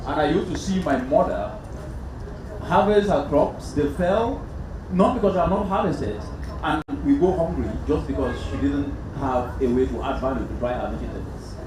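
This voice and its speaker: A man from Cameroon leads a panel in a big conference hall, pressing the speakers with emphatic questions. His voice sits a little high and comes from a distance, with heavy echo and steady background noise. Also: moderate pace. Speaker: panel moderator. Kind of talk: moderating a panel discussion. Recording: echoey hall, distant mic, noisy.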